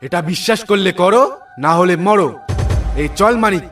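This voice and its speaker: A man's voice: high-pitched, moderate pace, a bit bright, distant mic, soft background music. A man voicing a frightened woodsman in a cartoon warning villagers away from the forest.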